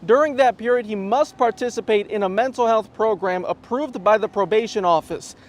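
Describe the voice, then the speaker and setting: A man's voice: high-pitched, moderate pace. A man reporting the news as a television reporter, reading a scripted report.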